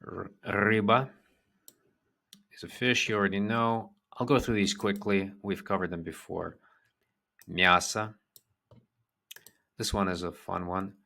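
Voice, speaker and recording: A man teaching a vocabulary lesson, repeating each word twice in a slow, patient way. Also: on the low side, fairly even intonation, creaky, sharp tone. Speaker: language teacher.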